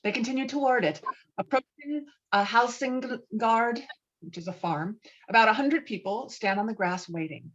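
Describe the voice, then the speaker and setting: A woman's voice: fairly high pitch, normal speed. A woman reading stage directions as narrator of a screenplay table read, on slightly muffled online call audio.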